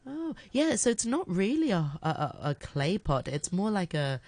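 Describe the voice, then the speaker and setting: A woman's voice: medium pitch, sing-song, moderate pace, a little mellow, no echo. A woman radio host from Hong Kong chatting casually on air, laughing often and poking fun at herself. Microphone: studio microphone.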